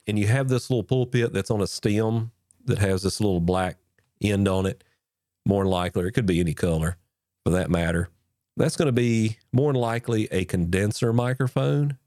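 A pastor hosts an instructional podcast, speaking close into a dynamic broadcast mic in a medium-pitched, warm voice with no room sound. Illness leaves him stuffed-up and nasal, yet he stays earnest, encouraging, and chatty with fillers.

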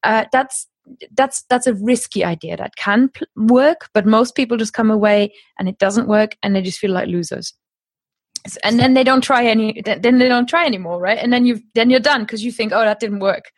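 A woman's voice: a little high, normal speed, no room sound. A woman in her thirties whose first language is German, chatting as a podcast guest, laughing often and restarting her phrases. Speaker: guest, language course creator. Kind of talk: conversational podcast interview.

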